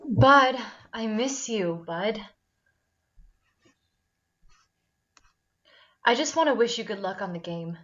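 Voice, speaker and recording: A woman playing a lovesick, anxious high school girl in a screenplay table read, on lo-fi audio. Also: lively intonation, moderate pace, fairly bright tone, natural voice. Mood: longing, worried. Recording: dull, lo-fi online call audio.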